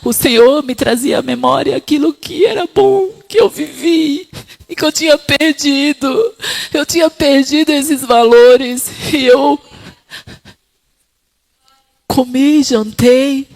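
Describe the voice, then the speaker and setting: A woman preaching a sermon, telling her own testimony quietly and then rising to fervent, shouted exhortation. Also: high voice, slow pace, vocal fry.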